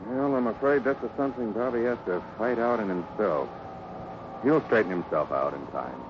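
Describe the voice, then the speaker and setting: An actor playing a steady, fatherly ranch boss with a plain-spoken, measured way in a 1950s radio western. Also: on the low side, natural voice. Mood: steady, concerned. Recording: muffled, noisy old radio recording.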